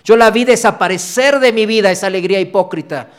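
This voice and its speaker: A man's voice: high-pitched, quick pace, smooth. A man preaching a sermon, talking straight to the congregation and acting out his own past voice.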